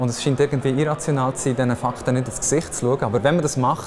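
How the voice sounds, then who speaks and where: A man at a medium pitch with fairly even intonation, against noticeable background noise. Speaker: president of an effective altruism foundation. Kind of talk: interview answer.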